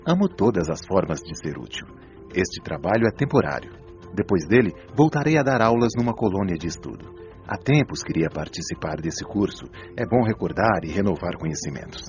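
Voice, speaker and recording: A man's voice: deep voice, animated, brisk, a little mellow, muffled recording, faint music behind. A man playing a benevolent, enthusiastic spirit teacher in an audio drama. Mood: benevolent, encouraging. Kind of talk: audiobook radio drama dialogue.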